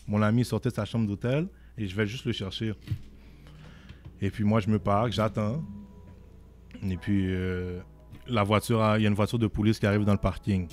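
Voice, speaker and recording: A young man with a Québécois French accent, casually telling a story as a podcast guest and often asking "tu comprends?". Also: fairly low pitch. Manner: animated, repeats "tu comprends?" often.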